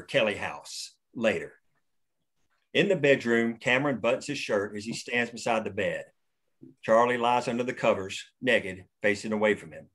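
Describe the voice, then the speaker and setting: A man reading the stage directions aloud at a script table read in a steady, plain way. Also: medium pitch.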